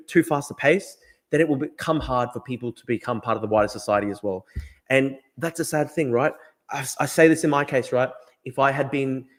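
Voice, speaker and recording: A man hosting a political podcast, making his points emphatically and repeating himself, often asking "right?" and dropping in "like". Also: mid-range voice. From Australia. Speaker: podcast host. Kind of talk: opinionated political podcast talk.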